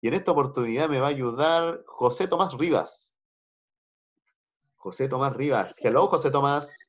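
A Chilean man teaching English over a video call, his voice a little husky. He is patient, mixes Spanish with English and repeats himself often. The call audio is muffled and lo-fi. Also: mid-range voice, lively intonation, moderate pace. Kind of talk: online class teaching. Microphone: computer mic on a video call.

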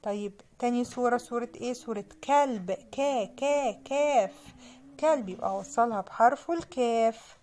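A young woman with an Egyptian accent teaching children to read, sounding out letters and words slowly and patiently. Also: on the high side, darkish tone. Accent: Egyptian Arabic. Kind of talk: children's reading lesson.

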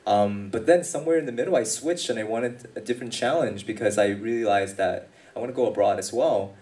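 A man's voice: lowish voice, brisk, a little mellow, recorded from a distance. A young man, articulate and composed as a radio panel guest. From United States. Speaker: guest, business owner. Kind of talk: casual chat on a radio panel. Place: radio studio stage with audience.

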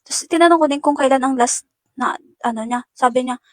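Addressing her viewers directly as "guys," a netizen recounts an incident in an emotional first-person story. She speaks briskly and in uneven bursts with a slightly high voice, and the recording is dry and close.

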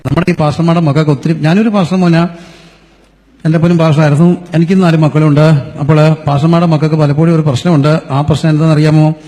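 A man's voice: fairly high pitch, dark tone. A middle-aged man from Kerala, preaching a sermon as a pastor, telling playful stories to the congregation. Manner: storytelling, playful, addresses the crowd as children. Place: church or convention hall. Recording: long hall reverb.

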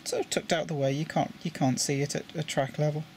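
A fast-talking British man with a British English accent explains his model railway coach lighting in a casual tutorial at an indoor table, repeating words often as he handles parts. His fairly high voice is steady, gravelly and a little mellow, with a little hiss or hum.

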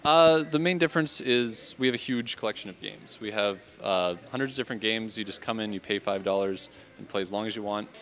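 Young guy owner, talks fast and a bit halting, lowish voice, handheld mic in a game cafe. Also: fairly bright tone. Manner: quick, earnest, slightly halting. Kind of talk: interview answers. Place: board game cafe by the shelves.

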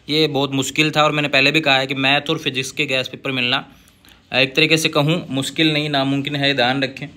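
Bright, chatty Hindi exam tutor man. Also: mid-range voice. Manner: reads questions aloud, adds "है ना" and "भैया" asides; reads English terms slowly and syllable by syllable. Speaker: tutor going over exam guess questions. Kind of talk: casual exam-prep lesson. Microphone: voice-over on screen recording.

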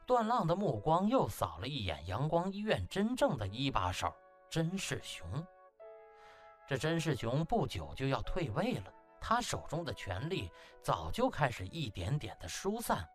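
A man narrating an audiobook as dramatic scripted storytelling, in a theatrical, emphatic manner. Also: medium pitch.

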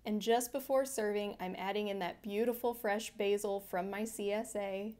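A woman's voice: medium pitch, fairly even intonation, moderate pace, darkish tone. Chatty woman narrating her cooking. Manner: friendly, chatty step-by-step explaining. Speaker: vegan cooking channel host. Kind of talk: voice-over narration of a cooking video.

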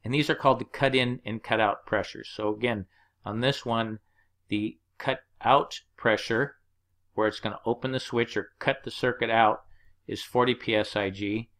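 A man's voice: mid-range voice, steady tone, moderate pace, fairly bright tone. A man teaching an HVAC course over slides, walking through the numbers one step at a time. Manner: plain, explanatory, walks through numbers step by step. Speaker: HVAC instructor.

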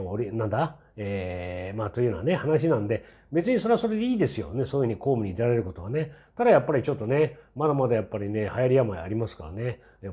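A man in his sixties talks through a casual commentary for his channel, rambling with plenty of fillers and asides. His tone is mellow and low in brightness, but his pitch jumps around animatedly. He sounds skeptical, with a lightly mocking edge. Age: 60s. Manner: chatty and rambling, many fillers and tag asides. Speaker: channel host.

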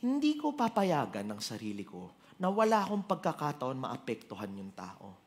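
A Filipino man preaching a sermon, with a Filipino accent and a lively voice that swings up and down in pitch. He tells his stories in an animated, conversational way, switching between Tagalog and English as he goes. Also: moderate pace.

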